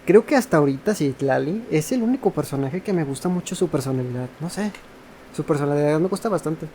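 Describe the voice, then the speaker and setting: A man with a slightly high voice. He comments casually on gameplay, musing as he goes, with faint noise behind him. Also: expressive, racing, warm tone. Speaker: gaming streamer.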